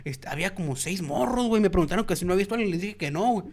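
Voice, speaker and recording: A man's voice: sits high, animated, racing, darkish tone. A man with a Mexican accent, hosting a podcast and telling a story in a casual, slangy way, acting out the people he quotes. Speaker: podcast host.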